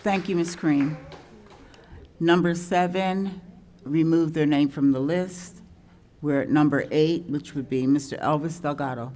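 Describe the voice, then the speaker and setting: A man chairs the meeting and runs through the speakers' list in a brisk, procedural way. His voice sits a little higher than most men's. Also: fairly even intonation, a little mellow. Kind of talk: procedural announcements.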